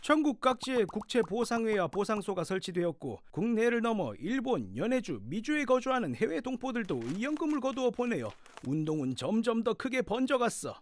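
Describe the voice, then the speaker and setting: A man's voice: high voice, sing-song, a little fast, few pauses, no room sound. An actor playing a scolding, lecturing grandfather over a hundred years old, telling stories in an educational audio drama with old-fashioned speech. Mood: earnest storytelling.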